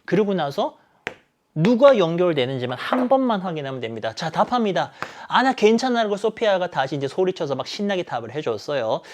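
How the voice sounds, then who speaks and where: A man teaching an English exam lesson, emphatic and animated, asking questions and answering them himself. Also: a little high. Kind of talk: exam explanation lecture.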